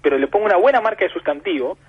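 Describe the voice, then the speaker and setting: Heard on the radio over a muffled phone connection, an Argentine man with a high, slightly rough voice talks rapid-fire with lively intonation. He appears as a guest expert speaking with an Argentine Spanish accent, patiently and professorially building each point with examples.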